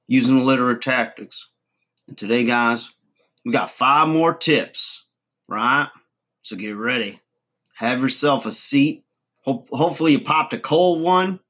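A man's voice: medium pitch, bright, forceful tone. A man playing a folksy redneck guru. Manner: rambling, folksy, chuckling, mangled words. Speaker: comedy channel host. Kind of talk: comic monologue to camera.

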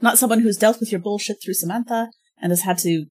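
A woman's voice: mid-range voice, quick pace, a little mellow, husky, close to an everyday voice. A woman voicing a stiff older female government agent with a slipping French accent, formal and hesitant in a tabletop game. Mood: prim. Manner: formal and prim, with hesitant uh's. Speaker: player. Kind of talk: in-character tabletop roleplay.

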